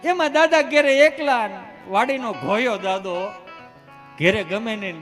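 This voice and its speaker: A man telling folk comic stories, chatty and animated, switching quickly between characters. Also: high-pitched, soft background music. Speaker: comedian, storyteller.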